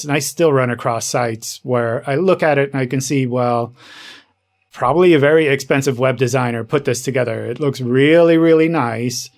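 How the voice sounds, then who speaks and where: A man with a medium-pitched voice talks casually as a podcast co-host. His delivery is conversational and explanatory.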